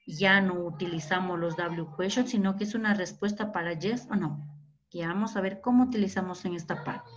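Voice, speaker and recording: The audio is dull, but her mid-range voice comes through a bit bright. She's an Ecuadorian teacher walking students slowly through English grammar, regularly asking ¿verdad? and ¿ya? to make sure they follow.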